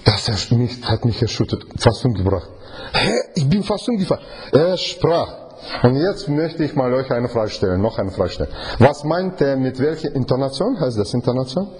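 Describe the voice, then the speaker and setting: With a mid-pitched voice and a moderate pace, a man gives a conversational Bible study sermon in German that isn't his native language. This Bible teacher is animated, quizzing listeners and acting out scenes as he explains them. A slight hiss or hum is audible.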